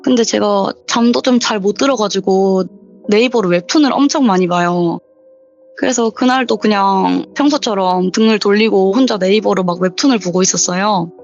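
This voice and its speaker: A young woman in a casual interview, chattily telling a true horror story and acting out the quoted lines with sudden rises in pitch. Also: moderate pace, vocal fry. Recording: dull lo-fi sound with faint background music.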